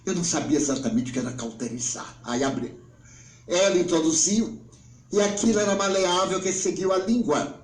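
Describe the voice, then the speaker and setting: Man, 90s, Brazilian Portuguese accent, spiritual storyteller, highish voice, dramatic delivery. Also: normal speed, roomy sound, low-quality recording. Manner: dramatic, swinging between hushed and exclaiming. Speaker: spiritual speaker. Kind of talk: emotional storytelling lecture.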